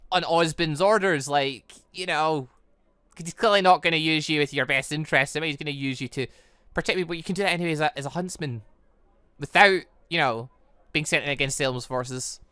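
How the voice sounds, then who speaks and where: A man reading a visual novel aloud and commenting off the cuff, often stumbling and correcting himself as he rambles excitably. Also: on the high side, clean tone, no echo. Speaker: gaming channel host.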